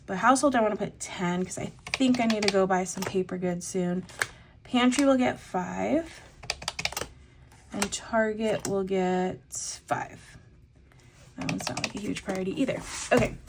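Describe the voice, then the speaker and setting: Young woman thinking out loud over her cash envelopes, kinda congested, clicks and tapping in the background. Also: mid-range voice, unhurried, noisy background. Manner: chatty, thinks aloud with many fillers. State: congested with a lingering cough. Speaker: budgeting vlogger. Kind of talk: casual voice-over while cash stuffing.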